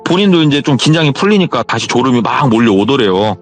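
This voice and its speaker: A man's voice: mid-range voice, sing-song, fast talker, faint music behind. A man casually retelling a true ghost story as a narrator, in a chatty, colloquial way. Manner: colloquial, retells with reported speech.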